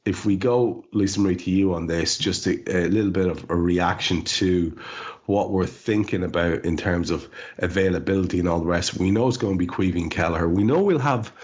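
Man, podcast host, deep voice, husky, dull lo-fi audio. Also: brisk, a little mellow. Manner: leads discussion, puts questions to co-hosts. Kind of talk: casual podcast chat.

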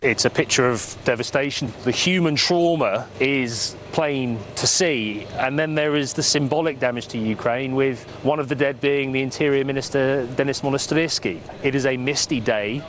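A man's voice: medium pitch, moderate pace. A man working as a news correspondent, giving an on-scene radio report. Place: outdoors with urban and vehicle sounds. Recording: faint outdoor vehicle noise.

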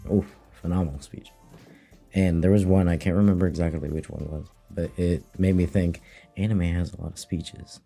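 A man's voice: low voice, steady tone, moderate pace, gravelly, dark tone, breathy edge, soft background music. A man chatting casually and informally as a podcast co-host. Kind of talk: casual chat.

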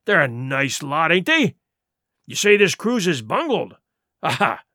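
A man's voice: on the high side, big pitch swings, a little slow, pushed and bright, no room sound, clean studio sound, exaggerated voice. Man acting a cunning, scornful, swooping pirate ringleader. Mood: scornful, heated. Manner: rustic nautical dialect, sarcastic, emphatic, rhetorical. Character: cunning, scornful pirate sea cook leading mutineers. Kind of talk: audiobook character acting.

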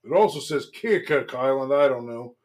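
A man's voice: mid-range voice, normal speed. A man hosting a local sports talk show, chatting casually about games with many fillers and restarts. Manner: relaxed, lots of fillers and restarts. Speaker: sports radio host.

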